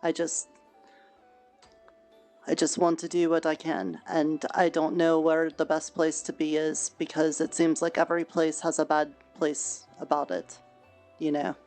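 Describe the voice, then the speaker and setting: A woman's voice: deep voice, level tone, measured pace, darkish tone, soft background music. A woman playing a roleplay character, talking casually and hesitantly with many fillers. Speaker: roleplay player.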